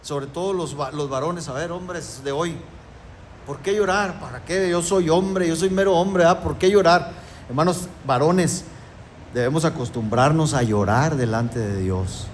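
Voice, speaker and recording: A pastor delivers an emphatic sermon in a high-pitched male voice, turning often to his listeners as brothers. A faint hiss of noise runs under the recording. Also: moderate pace, darkish tone. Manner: emphatic preaching, repeatedly addressing the congregation as brothers.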